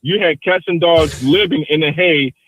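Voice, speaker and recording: A man's voice: on the high side, moderate pace, a bit bright, dry recording, low-quality recording. A man in his fifties calling into a live show, arguing insistently and repeating the same points again and again. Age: 50s. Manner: insistent, repeats himself over and over. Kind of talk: heated call-in debate.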